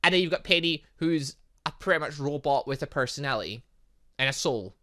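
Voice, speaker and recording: Man, higher-pitched, very animated delivery, excitable gaming host, rambling casual reactions. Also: fairly quick. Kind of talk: casual game commentary with lines read aloud from a visual novel.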